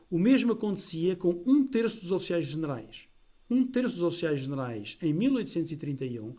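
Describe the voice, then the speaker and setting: Mellow man lecturing. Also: fairly high pitch. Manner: measured, deliberate lecture delivery. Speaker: historian lecturer. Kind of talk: scripted history talk.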